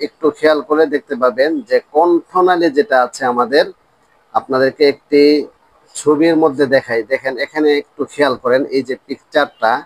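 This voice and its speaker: Man teaching a religion class, slightly high voice, dry close sound, slow repeated sounds. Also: dry recording, poor audio. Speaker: Quran teacher. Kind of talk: religious lesson on Arabic letter pronunciation.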